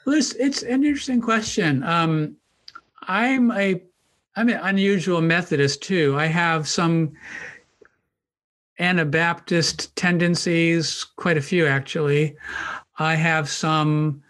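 A man's voice: a little high, a bit bright. Thoughtful man in his sixties. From Maryland, United States. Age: 60s. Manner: thoughtful, measured, with frequent restarts and ums. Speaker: guest, New Testament professor. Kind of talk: conversational podcast interview.

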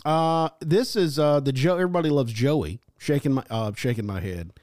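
A man co-hosting a podcast, reading listener comments aloud in a halting, joking way. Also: on the high side, a little mellow, no echo, clean studio sound. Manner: reads haltingly, jokes about being unable to read. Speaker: podcast co-host.

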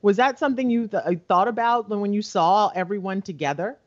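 A woman's voice: mid-range voice, fast talker, lo-fi sound. A woman co-hosting an interview, playful and enthusiastic, laughing lightly between remarks. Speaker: radio show co-host. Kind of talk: casual interview chat.

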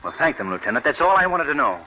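An actor playing an earnest, resolute American wheat scientist in a 1940s radio drama. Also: male voice, fairly high pitch, very animated, quick pace, over loud music. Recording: muffled old radio recording.

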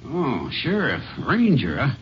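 An actor playing a defensive, hot-tempered Texas farmer with a folksy, blustering manner in a 1950s western radio drama. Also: male voice, mid-range voice, huge pitch swings, slow pace. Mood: surprised, folksy. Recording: muffled, slightly noisy 1950s radio recording.

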